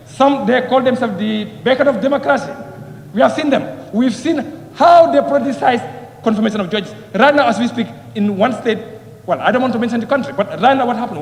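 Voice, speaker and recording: Man, high-pitched, passionate parliament speech, echoey hall with long reverb. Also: slight background noise. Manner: impassioned, repeats phrases, rhetorical questions. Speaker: member of parliament. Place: parliament chamber.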